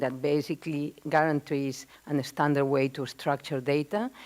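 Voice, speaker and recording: The speaker has a non-native accent. The recording is very clean, with a silent background. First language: not English. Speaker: physician researcher and former society president. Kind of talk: conference presentation. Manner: fast.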